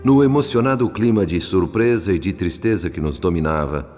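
A Brazilian man playing a humble, reverent narrator in a radio drama, speaking in a measured, literary and solemn way. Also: low-pitched, natural voice. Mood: reverent, moved. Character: reverent, moved male spirit narrator, humble disciple. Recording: long hall reverb, music behind. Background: music.

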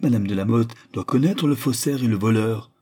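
A man's voice: medium pitch, moderate pace, dark tone, close to an everyday voice. A man doing a frantic, pleading jeweler. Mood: desperate. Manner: pleading, insistent. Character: anxious, pleading male court jewelers.

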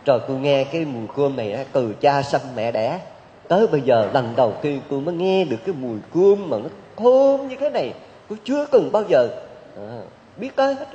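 A man's voice: fairly high pitch, very animated, a little fast, warm tone, a little hiss or hum. A man voicing a poor country man who pleads for a taste of rice. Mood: pleading. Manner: pleading, longing. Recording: dull hall recording with long reverb.

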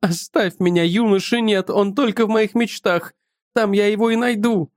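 A man's voice: high voice, normal speed, no room sound, studio quality, voice pushed up, close to an everyday voice. A man voicing a dreamy, capricious young woman, a sacred courtesan, in an audiobook. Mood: defiant. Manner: wondering, capricious. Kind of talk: audiobook character voice.

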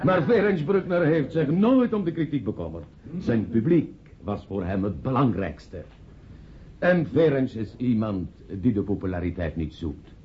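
A man's voice: medium pitch, expressive, moderate pace, lightly acted. An actor in a radio play voicing a jovial, self-important man making a pompous party speech. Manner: pompous, chuckling oratory. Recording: muffled, noisy old radio play recording.

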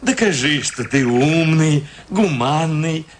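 An actor playing an irritable, self-pitying middle-aged husband in a radio play, spluttering and hesitant with theatrical outbursts. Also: male voice, on the high side, expressive, takes it slowly, a little hiss or hum. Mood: pleading. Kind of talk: Russian radio play acting.

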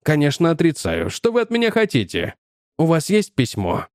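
Guy reading a calm young scientist brushing things off politely, dry close sound. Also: on the high side, normal speed, dry recording. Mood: dismissive. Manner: calm, coolly dismissive, polite "sir".

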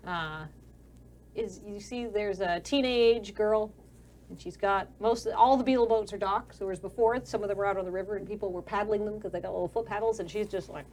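A woman's voice: medium pitch, brisk, darkish tone, a little hiss or hum. Rambling woman game master. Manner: rambling, casual, many fillers and restarts. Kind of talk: improvised tabletop game narration.

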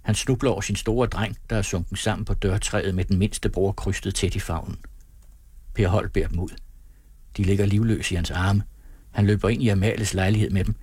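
A man reading a novel aloud as an audiobook narrator, calm and measured in his storytelling. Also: lowish voice, slightly rough, no echo. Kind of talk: scripted narration.

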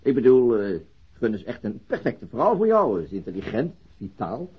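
An actor playing an awkward, evasive middle-aged male police detective in a naturalistic radio play, hesitant and halting. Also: mid-range voice, sing-song, breathy edge. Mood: earnest. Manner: hesitant, halting, repeats words. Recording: dull lo-fi radio recording.

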